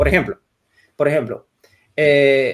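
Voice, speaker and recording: Pitched fairly high, a man's voice moves at a moderate pace. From Venezuela. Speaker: Bible scholar and teacher. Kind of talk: casual theological discussion.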